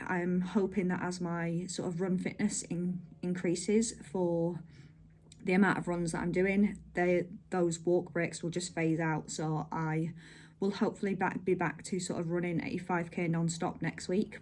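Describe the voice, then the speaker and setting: A woman's voice: on the low side, a little mellow. A woman giving a casual, chatty vlog update in an informal, meandering way. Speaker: running vlogger.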